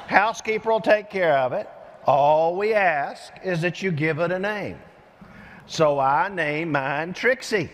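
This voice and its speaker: An older man giving an energetic keynote speech on a large conference stage, telling stories with lively gestures through a headset mic. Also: a little high, unhurried. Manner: animated storyteller with lively gestures. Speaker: keynote speaker. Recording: long hall reverb from arena.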